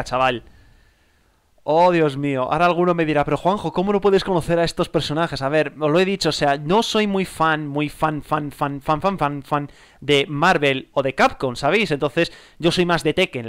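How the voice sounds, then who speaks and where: A young man with a Spain Spanish accent gives excited, slangy gameplay commentary, repeating himself and laughing often at home. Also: on the high side, clean tone. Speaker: gaming youtuber.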